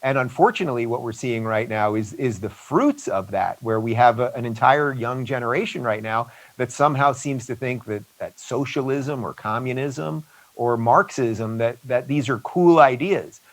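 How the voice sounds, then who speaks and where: A man's voice: mid-range voice, moderate pace, hardly any pauses, rough recording. Earnest man hosting an online interview. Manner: earnest, repeats words when starting sentences. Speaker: interview host. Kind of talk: conference interview introduction. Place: remote video session. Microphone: video call.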